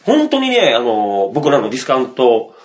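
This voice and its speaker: A man with a Kansai accent co-hosting a comedic radio show, talking casually and defending himself with quick denials. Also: mid-range voice, wildly swooping pitch. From Ehime, Japan. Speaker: radio co-host.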